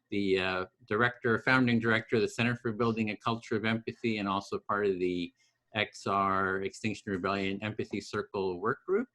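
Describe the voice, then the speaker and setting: A soft-spoken man with a fairly low voice hosts the call. He explains the process gently and keeps pausing with uh and restarting his sentences. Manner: halting, lots of uh and restarts, gentle. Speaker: host and facilitator. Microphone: video call.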